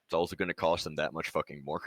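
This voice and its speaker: A man's voice: rumbling low, steady tone, fast, fairly bright tone, no room sound, clean studio sound. A man playing a tabletop game, talking loosely with swearing and jokes. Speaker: player. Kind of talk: casual chat while role-playing.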